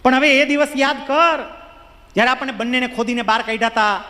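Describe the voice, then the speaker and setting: Patient, wise temple idol voiced by a male speaker in a story, very high pitch, long hall reverb. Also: a little fast, pushed and bright. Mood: explaining. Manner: patient, explaining.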